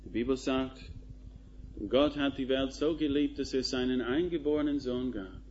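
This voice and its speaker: A man preaching a sermon in a slow, emphatic style, building to rising calls to the listeners. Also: mid-range voice, darkish tone. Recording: dull lo-fi recording with faint noise.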